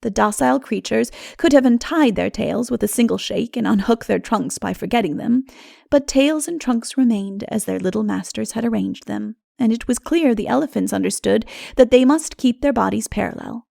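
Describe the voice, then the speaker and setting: Very creaky-voiced woman narrating dark fantasy. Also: fairly high pitch, moderate pace, no echo, clean studio sound. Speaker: audiobook narrator.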